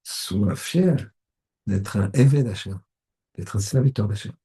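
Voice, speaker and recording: A middle-aged man, a rabbi, giving an animated sermon and acting out little scenes in other voices. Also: lowish voice, slow pace, breathy edge.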